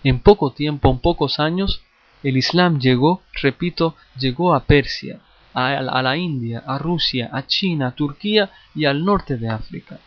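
A man's voice: a little high, measured pace, no echo, lo-fi sound. A man teaching a lesson on Islamic history, addressing his listeners directly, often hesitating, repeating phrases and restarting words. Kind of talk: classroom lecture.

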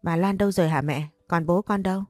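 A woman's voice: on the low side, a little mellow, no room sound, studio quality, faint music behind, lightly acted. Woman doing an indignant gossiping daughter. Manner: blunt, fast and scolding.

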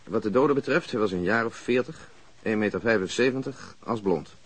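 A police investigator giving a case report in a radio drama. The voice sits a bit low. He is dry and methodical, listing details in short, factual phrases. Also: a little fast, husky. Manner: clipped, matter-of-fact.

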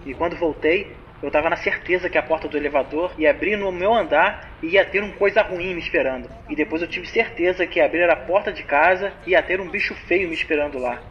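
A man's voice: a little high, a little fast, few pauses, highs cut off, slight background noise, close to an everyday voice. A man playing a terrified slangy young guy. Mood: frightened. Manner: slangy, breathless storytelling. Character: scared young man leaving voicemails.

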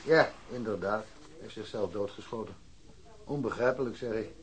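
An actor playing a blunt, dismissive police detective in a radio drama, offhand and colloquial. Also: male voice, on the low side, moderate pace, slightly rough, rough recording. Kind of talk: Dutch radio drama acting.

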